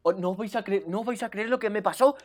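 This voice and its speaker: A man's voice: high-pitched, quick pace. A man, a podcast co-host, telling comic stories in a playful, self-mocking way. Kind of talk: comedic storytelling.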